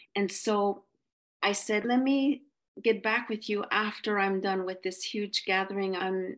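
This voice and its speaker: A woman with an unremarkable speaking voice talks at a fairly slow pace. Her pitch is medium, and the background is quiet. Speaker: First Nations prayer leader. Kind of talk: prayer meeting talk. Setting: online call.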